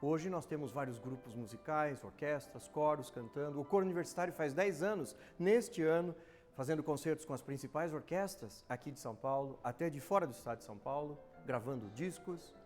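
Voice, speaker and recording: A man's voice: a little high, fairly quick, a little mellow. A man speaking proudly and steadily in an interview. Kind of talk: interview statement. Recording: faint music underneath.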